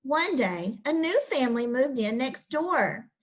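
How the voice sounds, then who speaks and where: A woman's voice: high voice, sing-song, a little slow. A woman teacher explaining a lesson step by step to children, then reading a picture book aloud.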